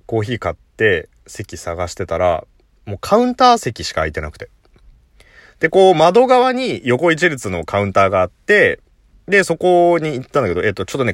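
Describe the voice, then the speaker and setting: A man's voice: on the low side, fairly bright tone, no room sound, studio quality. A man casually telling a funny story on his solo talk show, laughing at his own jokes. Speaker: podcast host. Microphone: phone app recording.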